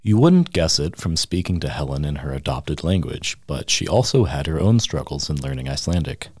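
A man narrating a scripted news feature as a reporter, measured and steady. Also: a bass voice, breathy edge, no echo, clean studio sound. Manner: measured, reads quotes aloud in the same voice. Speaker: radio reporter.

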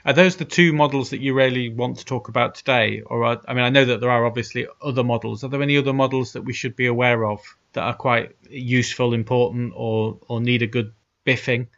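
A man hosting a casual podcast chat, heard through a cheap plug-in telephone-type microphone with low audio quality. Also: steady tone, brisk, a bit bright. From United Kingdom. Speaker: podcast host. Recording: dull lo-fi cheap mic.

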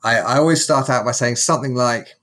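A man's voice: mid-range voice, a little fast, pushed and bright, slight background noise. A man, hosting a podcast in a chatty, humorous storytelling way. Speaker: podcast host. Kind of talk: casual podcast interview.

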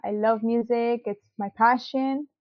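A young woman with a fairly high voice tells her story as a guest, hesitating often with ums and likes. She was born in Mexico and raised in South Texas. Her audio comes through dull and lo-fi. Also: steady tone, unhurried. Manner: hesitant, many ums and likes, laughs easily. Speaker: interview guest, musician. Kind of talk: casual personal testimony. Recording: dull lo-fi sound.

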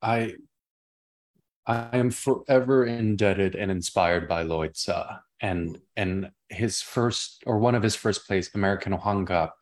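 A young man with a naturally deep voice, a playwright answering interview questions in an expansive, enthusiastic way that drifts into tangents. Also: a little slow. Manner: expansive, enthusiastic, prone to tangents and repeated words.

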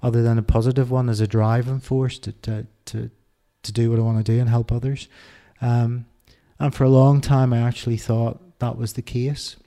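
A middle-aged Irish man speaks in a low-key, mellow voice that barely rises or falls. He talks haltingly and reflectively, restarting his sentences and filling pauses with ums as he opens up in an interview. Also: flat delivery. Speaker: interview guest. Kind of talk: candid personal interview.

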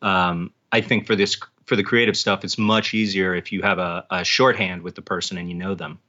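A man speaking as an interview guest, an author talking casually in halting, self-correcting phrases. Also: low voice, flat delivery, bright, forceful tone. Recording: dull, band-limited audio.

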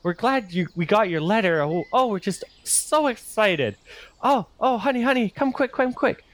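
A woman's voice: mid-range voice, lively intonation, moderate pace, no echo, pitched above the performer's own voice, lightly acted. A game master voicing an overexcited mother who gushes over her daughter's visit. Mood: gushing.

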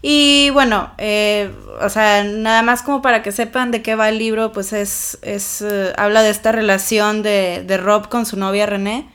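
A young adult woman, co-hosting a podcast in casual, expressive chat that trails off into soft asides. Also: medium pitch, measured pace, few pauses. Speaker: podcast co-host.

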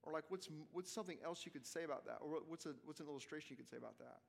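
Man, higher voice, Southern US accent, informal teacher, halting rephrasing, long hall reverb. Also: gravelly. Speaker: preaching teacher leading a question session. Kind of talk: casual teaching talk, answering questions.

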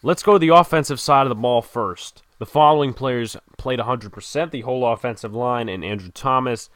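A man casually recapping a football game, an excitable fan who swears and laughs, moving between calm play-by-play and loud outbursts. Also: medium pitch, fairly quick, dry recording, clean studio sound. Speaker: sports podcast host.

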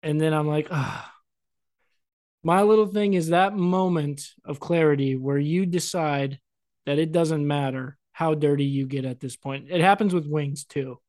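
A man's voice: a little high, fairly even intonation, a little slow, a little mellow, no echo. A man co-hosting a podcast in casual chat, joking and laughing often. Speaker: podcast co-host.

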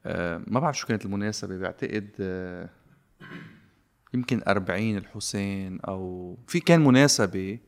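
A man with a Lebanese Arabic accent, talking politics in a casual, sarcastic, animated way and slipping into English phrases. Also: low voice, brisk. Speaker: guest commentator.

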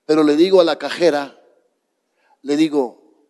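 Man, pastor, preaching a sermon, slow deliberate delivery, reverberant church sanctuary. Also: on the high side, steady tone, dark tone. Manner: slow, dramatic storytelling to a congregation. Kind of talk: sermon storytelling. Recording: long reverb of a church hall.

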